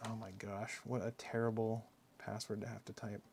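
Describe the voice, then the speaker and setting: Male streamer with a gravelly voice, distracted and mumbling as he chats with viewers. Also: fairly low pitch, level tone, moderate pace, darkish tone, a little hiss or hum. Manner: mumbly, distracted, talks to chat while fiddling with setup. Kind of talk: casual live-stream chat.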